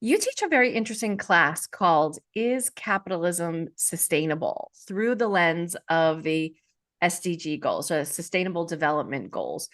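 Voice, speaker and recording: A woman's voice: fairly low pitch, expressive, moderate pace. A woman hosting an interview podcast, reading a guest's bio and asking questions with enthusiasm. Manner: enthusiastic, upbeat. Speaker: podcast host.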